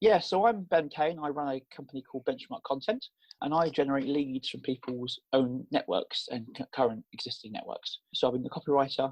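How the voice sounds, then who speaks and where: Against a quiet background, a man talks at a fairly quick pace with a dry, close sound and no echo. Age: 20s. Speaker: copywriter and marketer, former journalist. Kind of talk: podcast interview. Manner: fast.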